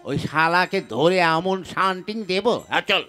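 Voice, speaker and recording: A man voicing a hot-tempered village henchman who barks orders in rough slang in a comic puppet play. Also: sits high, moderate pace, sharp tone. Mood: indignant.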